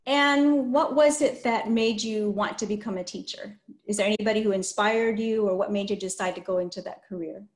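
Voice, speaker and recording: A woman's voice: medium pitch, brisk, hardly any pauses. A middle-aged woman hosting a read-aloud and interview over a video call. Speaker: host interviewing an author. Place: small indoor room, video call. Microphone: computer mic on a video call. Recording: roomy, echoey video call.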